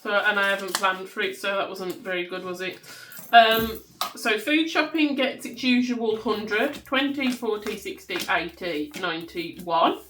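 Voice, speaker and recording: A woman's voice: medium pitch, measured pace, a little hiss or hum. A woman in her thirties with a Black Country accent, chatting casually and counting banknotes aloud at her desk at home. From West Midlands, England. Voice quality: loud voice. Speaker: budgeting vlogger. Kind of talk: casual chat while counting cash.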